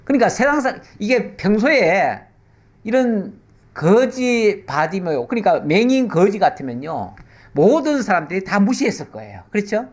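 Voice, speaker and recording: Lively, fairly high-voiced male pastor. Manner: explains with rhetorical questions and slow pauses. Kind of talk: conversational Bible teaching.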